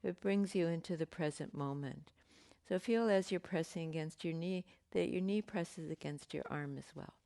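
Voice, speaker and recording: A woman teaching a yoga class, giving gentle, unhurried cues with pauses and fillers, her voice slightly croaky. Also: fairly low pitch, no echo. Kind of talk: guided yoga class instruction.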